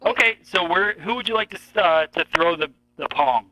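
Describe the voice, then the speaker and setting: Bright, upbeat man hosting a live show. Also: high-pitched, brisk, poor audio. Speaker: host. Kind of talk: hosting a live podcast game.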